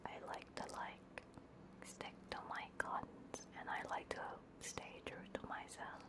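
A woman whispering breathily and casually into a close binaural microphone, chatting haltingly on an ASMR livestream. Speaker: VTuber streamer.

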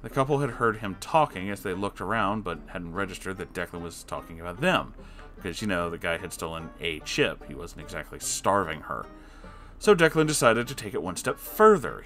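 A man reading an online story aloud, adding sarcastic asides of his own between passages. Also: on the low side. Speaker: story reader.

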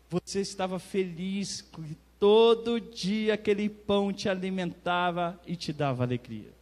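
High-voiced Brazilian man preaching emphatically. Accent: Brazilian Portuguese. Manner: emphatic preaching, swells loud on key phrases, talks directly to congregants. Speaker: pastor. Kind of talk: sermon. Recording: long reverb of a church hall.

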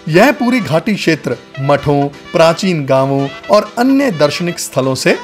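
Lively-voiced male travel narrator. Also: on the high side, moderate pace. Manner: addresses viewers as friends, guide-like. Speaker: travel vlogger. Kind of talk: scripted travel voice-over. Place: voice-over, not recorded on location. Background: faint background music.

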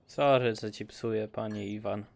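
A man's voice: on the low side, fairly even intonation, normal speed, gravelly. Joking, swearing gaming streamer man. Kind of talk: casual let's-play commentary.

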